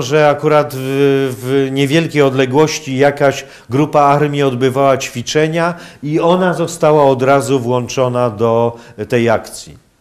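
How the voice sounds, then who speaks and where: A man giving a public lecture in a halting, hesitant manner with long pauses. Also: medium pitch. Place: university lecture hall, indoors.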